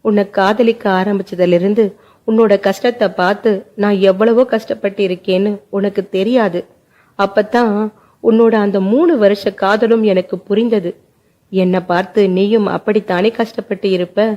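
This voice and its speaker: A woman's voice: medium pitch, steady tone, moderate pace, warm tone, lightly acted. A woman voicing a loving, grief-stricken young woman who speaks through tears in a told family story. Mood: grieving. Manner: tearful, despairing delivery. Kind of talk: storytelling narration.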